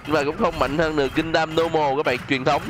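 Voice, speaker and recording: A man's voice: a little high, fairly even intonation, brisk. A man hosting a gaming video with casual, chatty gameplay commentary, exclaiming often and addressing viewers as friends. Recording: voice over loud game music and effects.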